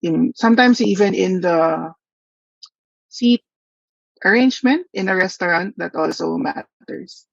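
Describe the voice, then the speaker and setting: A man giving a thoughtful, hesitant conference presentation with frequent pauses. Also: high voice, gravelly, dry recording. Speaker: workshop presenter. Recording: dull lo-fi dry audio.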